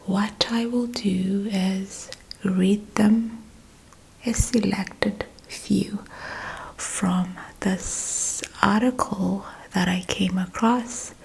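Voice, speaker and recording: A woman whispers an ASMR language lesson at a very slow, unhurried pace. Her hushed voice has a gravelly, creaky edge, and she softly repeats words again and again into a close mic. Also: mid-range voice, fairly even intonation.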